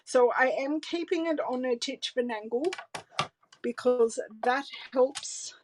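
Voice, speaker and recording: A middle-aged Australian woman with a high, slightly slow voice demonstrates card making on a live stream from her home craft room, greeting viewers and thinking aloud in a chatty, relaxed way as she works. An overhead camera captures her hands on the desk, and there is background noise.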